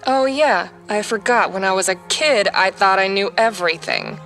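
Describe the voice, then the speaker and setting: A woman's voice: mid-range voice, normal speed, fairly bright tone, close to an everyday voice. A woman playing a weary, defeated single mother in her thirties in an audio drama, resigned, hesitant and defensive. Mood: defensive, bitter. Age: 30s. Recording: music under the voice.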